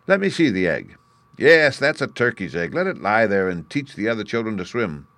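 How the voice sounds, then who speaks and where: A man's voice: lowish voice, big pitch swings, normal speed, a bit bright, dry recording. A man voicing a bossy old female duck who visits and gives advice with a know-it-all manner in a storybook reading. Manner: bossy, knowing.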